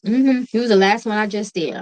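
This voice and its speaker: A woman hosting a late-night tarot livestream, chatting casually with viewers in a relaxed, calming voice and laughing often. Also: medium pitch, a little fast, a little hiss or hum. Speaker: tarot reader and livestream host.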